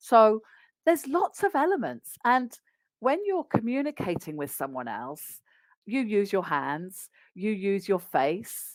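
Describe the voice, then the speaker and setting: With an RP accent, a woman speaks at a fairly slow pace in a fairly high pitch with very wide pitch swings, the sound dry and close with no echo in a very clean recording with a silent background. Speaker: business English coach. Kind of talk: interview conversation.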